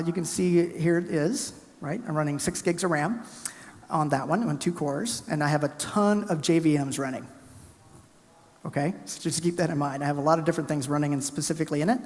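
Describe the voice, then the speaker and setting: Tech speaker, male, from the US South: quick, chatty, a bit high-pitched, reverb from the conference hall. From Alabama, US South. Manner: fast, energetic, chatty presenter narrating his screen. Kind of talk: live tech conference talk with coding demo.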